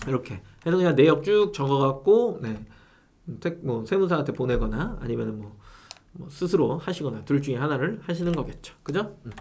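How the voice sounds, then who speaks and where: A man's voice: a little high, very animated, a little fast, darkish tone. A man who teaches online sellers, lecturing casually and often adding tag questions for agreement. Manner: chatty, rhetorical tag questions. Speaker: seller education instructor.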